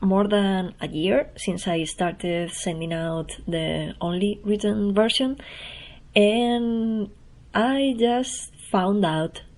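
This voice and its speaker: A woman from Spain with a mid-range voice takes her time, reading her newsletter in English, her second language, as a casual intro to the podcast she hosts. Her Spanish accent comes through, and she's quiet-voiced, chatty and quick to laugh at herself.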